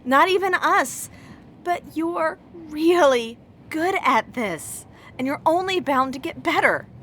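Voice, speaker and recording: High-voiced, wounded, devoted wife. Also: female voice, animated, slow, a bit bright, a little hiss or hum, full character voice. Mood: earnest, pleading. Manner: emotional, pleading. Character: devoted, wounded wife pleading with her partner. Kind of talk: audio drama acting.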